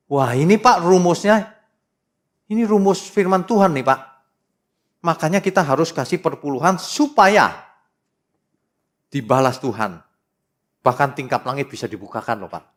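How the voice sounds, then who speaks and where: A middle-aged man preaching a sermon with a lively, swinging voice that sits a little high. He teases his listeners and throws questions at them, and he slows right down to read scripture with drama. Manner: animated, teasing, mocking asides to the congregation; reads scripture aloud slowly and dramatically. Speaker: pastor.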